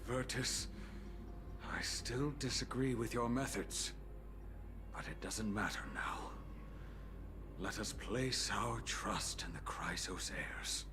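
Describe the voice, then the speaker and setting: A man voicing a remorseful tribal priest in a game, wavering between anguish and quiet resignation. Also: fairly low pitch, slow, noisy background. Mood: resigned. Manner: anguished and self-reproaching, then quiet and resigned. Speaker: game character. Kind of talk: game voice acting. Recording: game music behind the voice.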